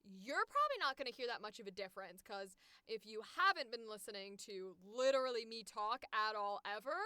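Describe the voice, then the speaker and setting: Bright, high-pitched woman streamer. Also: expressive, brisk, clear, resonant tone, dry recording, studio quality. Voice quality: naturally high-pitched, distinctive voice. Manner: playful, giggly, self-mocking, chatty. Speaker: voice actor hosting a livestream series. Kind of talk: casual improvised livestream chat.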